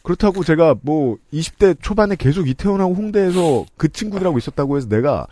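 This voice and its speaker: A man's voice: fairly high pitch, quick pace. A man hosting a podcast, giving reflective, musing advice in a casual chat. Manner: reflective, musing, lively intonation. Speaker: podcast host.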